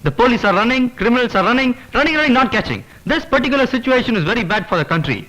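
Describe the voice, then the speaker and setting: A man's voice: extremely high pitch, expressive, drawn-out words, sharp tone, heavily acted, low-quality recording. An actor playing a brash young man who rehearses film dialogue at the top of his voice, with film music behind him. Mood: pompous. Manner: theatrical, declaiming practice speeches. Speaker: aspiring actor. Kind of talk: 1990s Tamil film comedy.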